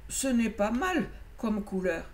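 A woman's voice: mid-range voice, sing-song, slow, a little mellow. A woman voicing a young male black wolf in a storybook reading, jumpy and rambling in his talk. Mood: chatty.

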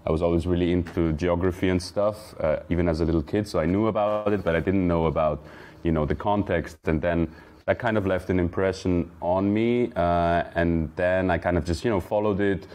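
Low-voiced young man. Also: fairly even intonation, brisk, a little mellow. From Switzerland. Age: young adult. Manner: thoughtful, with many fillers and restarts. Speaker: guest. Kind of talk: casual interview talk.

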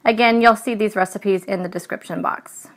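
A woman's voice: mid-range voice, steady tone, normal speed, faint music behind. A woman talking casually over her meal prep, chatty and loose, with frequent ums. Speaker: food vlogger. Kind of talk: casual voice-over narration of cooking.

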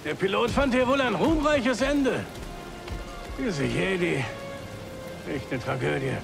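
A weary, good-hearted older alien laborer from a video game. His voice sits fairly high for a male and has a gravelly creak. He talks in a chatty, grumbling, halting way, with loud music underneath. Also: big pitch swings, exaggerated voice. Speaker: game character, scrap worker. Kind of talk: video game cutscene acting.

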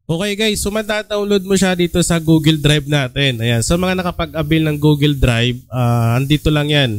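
A man's voice: fairly high pitch, clear, resonant tone, no room sound. A young Filipino man hosting a casual design tutorial, talking at ease with many "ah" fillers and "okay?" check-ins. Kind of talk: casual screen-recorded tutorial.

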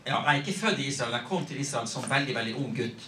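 A man's voice: mid-range voice, quick pace, sharp tone, recorded from a distance. A man in his fifties from Norway, interpreting a talk phrase by phrase in short segments. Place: medium meeting hall, indoors. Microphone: handheld mic, picked up by distant camera. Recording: echoey room from off, faint noise.

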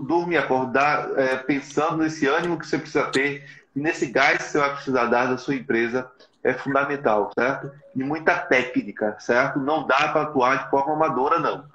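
A middle-aged man speaks over a video call from a small room. The sound is echoey and a bit dull, at a medium pitch. He hosts like an earnest motivator, urging listeners on and checking in with short tag questions. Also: a bit bright. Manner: earnest, exhorting, frequently adds tag questions. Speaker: live stream host for a business support agency. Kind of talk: motivational live webinar talk. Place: small plain room indoors. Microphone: video call, device in front of him.

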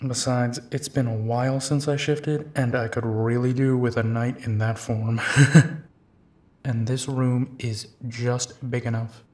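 Man acting slow-spoken, gentle protective werewolf detective. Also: medium pitch, flat delivery, natural voice. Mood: tender, reassuring. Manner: slow, soft, reassuring, with pauses and sighs. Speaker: audio roleplay voice actor. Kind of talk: intimate second-person audio drama roleplay.

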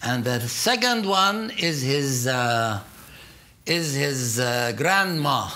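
An older man from Palestine with an Arabic accent, speaking English as a guest on stage in a lecture hall, telling stories with emphatic, animated delivery and many restarts. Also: mid-range voice, slow pace. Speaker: art collector, guest. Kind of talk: conversational storytelling on stage. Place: lecture hall with seated audience.

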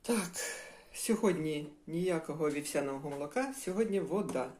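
A woman's voice: low-pitched, lively intonation, normal speed, mellow, slight background noise. An older woman chatting casually at home while she tastes food and cooks, giving homely advice to her viewers. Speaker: home cooking vlogger. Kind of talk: casual talk while tasting and cooking.

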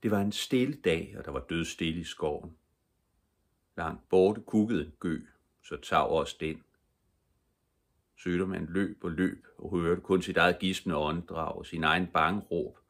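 Older man, deep low voice, bedtime story reading, calm and measured. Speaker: audiobook reader. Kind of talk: bedtime story read-aloud.

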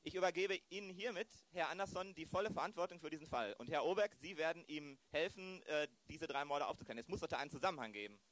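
A man's voice: a little high, animated, fast talker, hardly any pauses, a bit bright. A man playing a formal, blustering police chief in an improvised amateur radio play. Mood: officious, concerned. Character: officious male police chief, brisk and demanding.

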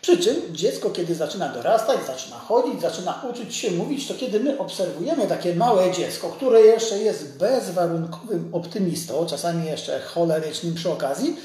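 A man's voice: high-pitched, lively intonation, moderate pace, few pauses, dark tone. A man in his sixties giving an informal live talk to viewers, explaining things conversationally, with a strong echo from a large empty room. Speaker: doctor hosting a live stream. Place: large, empty, hard-surfaced dental office.

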